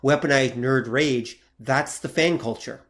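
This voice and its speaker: A man's voice: medium pitch, measured pace, a bit bright. A man co-hosting a podcast, talking loosely and steering the conversation along. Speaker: podcast co-host. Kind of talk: casual podcast discussion.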